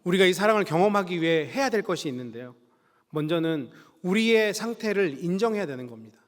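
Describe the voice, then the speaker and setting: A male pastor preaching a Sunday sermon in a church sanctuary, earnest and measured, slowing down to stress key words. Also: high-pitched, expressive. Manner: earnest, measured preaching with slow emphatic stretches. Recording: reverberant church hall.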